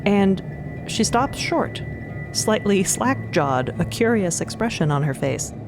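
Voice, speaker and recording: A woman narrating scripted audio fiction dramatically, in measured, deliberate phrases. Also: mid-range voice, lively intonation. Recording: music bed under the voice. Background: music.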